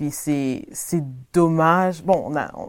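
A woman's very deep, low voice with a Quebec accent, fairly even intonation, a dry, close sound with no echo, and a very clean recording over a silent background. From Quebec, Le Gardeur suburb. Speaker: interviewee. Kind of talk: interview testimony. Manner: halting.

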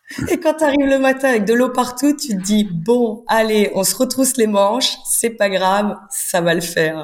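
Noticeable background noise sits behind a woman's fairly high voice. She speaks at a moderate pace with lively intonation. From Alsace, France. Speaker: entrepreneur running a game venue. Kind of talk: interview conversation. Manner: halting, many repetitions and fillers.

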